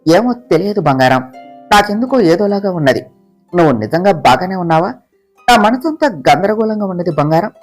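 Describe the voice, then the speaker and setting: A storyteller voicing a loving young husband who comforts and reassures his wife, soft guitar playing behind. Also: mid-range voice, expressive, brisk, natural voice. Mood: tender. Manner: tender, coaxing. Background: soft guitar music.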